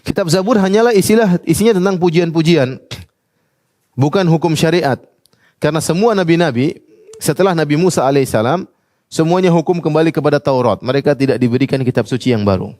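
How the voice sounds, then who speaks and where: A man's voice: fairly high pitch, a little fast, darkish tone, no room sound, clean studio sound. A man giving a religious lecture as a preacher. He recites Arabic passages and translates each one, and he puts questions to his listeners. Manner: quotes Arabic passages then translates them, asks the audience questions. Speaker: Islamic preacher.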